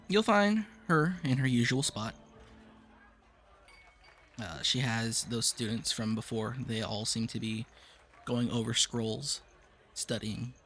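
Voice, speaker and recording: Guy running a tabletop game, slow lore dumps, faint music behind. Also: medium pitch, a bit bright. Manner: slow, measured lore explanations. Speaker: game master.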